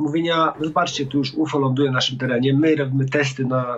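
A man speaks at a fairly quick pace with a fairly high pitch. His voice is somewhat breathy, and his intonation stays fairly even. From Poland, Wrocław; Poland. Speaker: researcher of political extremism; guest. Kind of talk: interview. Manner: halting, many fillers. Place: home room. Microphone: webcam.

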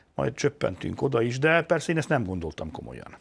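A man with vocal fry at a fairly quick pace. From Serbia. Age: 50s. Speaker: radio journalist. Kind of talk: interview. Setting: studio. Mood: reflective, animated. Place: studio. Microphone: lapel.

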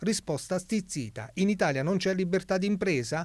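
This man talks at a fairly quick pace with ordinary pitch variation and a normal speaking voice over a quiet background. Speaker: news anchor. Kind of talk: news reading. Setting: studio.

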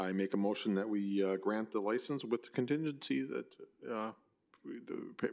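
Using an unremarkable speaking voice, a man talks at a moderate pace with lively intonation and a fairly low pitch over a quiet background. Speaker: city council member. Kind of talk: public committee meeting. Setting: city hall council chambers. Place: hall. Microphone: podium.

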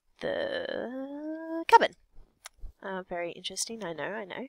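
Recorded with a dry, close sound and no echo, a woman speaks in an Australian accent. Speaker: gamer. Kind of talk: game commentary. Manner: casual, chatty.

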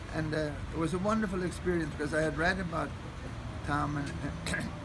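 There is noticeable background noise behind this recording. A man talks at a moderate pace with an Irish accent. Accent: Irish brogue. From Dublin, Ireland. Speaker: storyteller met by chance. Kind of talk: casual interview answer. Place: cafe. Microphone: phone near.

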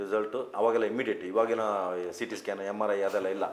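There is noticeable background noise and audible room echo. A man talks through it. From Karnataka, Mysore district and Kodagu. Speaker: radio announcer and theatre artist. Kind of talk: interview.

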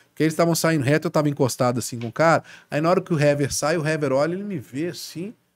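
His pitch is fairly high. The man speaks at a very fast pace. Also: quiet background. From Belo Horizonte, Minas Gerais, Brazil. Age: 40s. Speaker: sports journalist. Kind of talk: casual chat. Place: studio. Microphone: studio mic.

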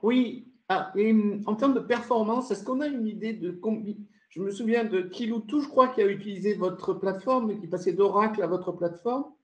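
Against audible room echo, a man talks at a fairly quick pace with a high pitch and ordinary pitch variation. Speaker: tech journalist, audience member. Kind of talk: audience question. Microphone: video call.

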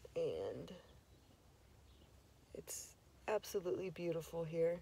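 A woman speaks at a very slow pace, and the sound is dry with no echo. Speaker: vlogger. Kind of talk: casual talk to camera. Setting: outdoors. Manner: slow, careful. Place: car. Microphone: phone near.

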